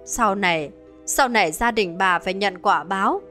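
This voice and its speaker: A woman's voice: mid-range voice, moderate pace, pushed and bright, soft background music, close to an everyday voice. Woman doing a wailing young pregnant girl. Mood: pained. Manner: wailing, pleading. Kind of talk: dramatized horror storytelling.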